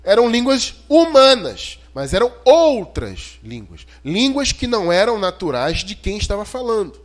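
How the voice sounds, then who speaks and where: A man's voice: sits high, big pitch swings, unhurried. A man with a Brazilian Portuguese accent preaching an expository sermon in an emphatic, didactic way, putting rhetorical questions to his listeners. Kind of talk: expository sermon, teaching scripture verse by verse.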